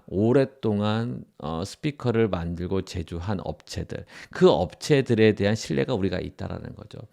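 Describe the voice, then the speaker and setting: A man's voice: fairly low pitch, gravelly, a little mellow. A man giving an informal tutorial lecture as an audio instructor, explaining and often restating his points for emphasis.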